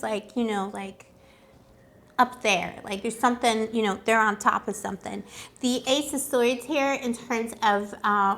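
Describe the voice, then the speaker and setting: Highish voiced lady doing a chatty tarot reading, playful n rambly, lots of pet names, voice going a bit. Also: fairly bright tone. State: slightly losing her voice. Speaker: tarot reader and channel host. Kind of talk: casual, chatty love tarot reading addressed to viewers.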